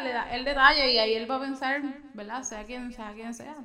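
A woman with a Puerto Rican accent speaks at a moderate pace. The recording has audible room echo and noticeable background noise. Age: 20s. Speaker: interior and graphic designer. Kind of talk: casual chat.

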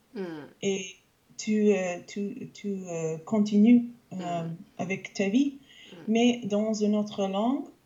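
A woman's somewhat breathy voice in an English accent, medium in pitch with ordinary variation, at a very slow pace. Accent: English-speaking accent in French. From Canada. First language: English (speaking French). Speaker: English teacher and language learner. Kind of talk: interview. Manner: halting, many hesitations.

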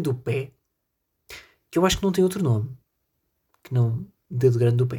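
An animated, somewhat breathy male voice with lively intonation, in a European Portuguese accent. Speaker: podcast host. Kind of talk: casual solo monologue.

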